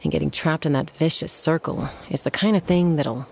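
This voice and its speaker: A woman playing a composed, protective tribal warrior in a video game, explaining things in a measured, frank way. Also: low voice, fairly even intonation, gravelly, a little mellow, slight background noise. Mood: concerned, frank. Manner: measured, matter-of-fact explaining. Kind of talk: video game dialogue acting.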